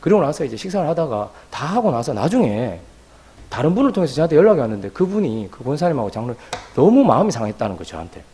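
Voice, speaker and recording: A man's voice: mid-range voice, fast talker, breathy edge. A man preaching a sermon as pastor, telling a story and acting out the voices of people in it. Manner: animated, acts out quoted voices.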